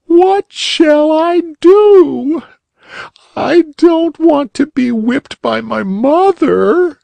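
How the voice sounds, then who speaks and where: A man voicing a frightened, tearful little girl in a storybook, pitched very high. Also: slow pace, creaky, no echo, full character voice. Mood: sobbing. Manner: high, sobbing, wailing.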